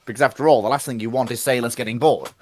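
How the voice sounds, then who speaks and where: A man speaking as a panelist in a casual livestream chat, deliberate and given to repeating phrases. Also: medium pitch.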